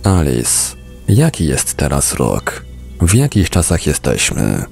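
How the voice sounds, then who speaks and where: A man's voice: a bass voice, huge pitch swings, takes it slowly, creaky, a little mellow, soft background music, pitched below the performer's own voice, heavily acted. A man voicing a sad, lost little girl who plaintively asks for her mother in an audiobook.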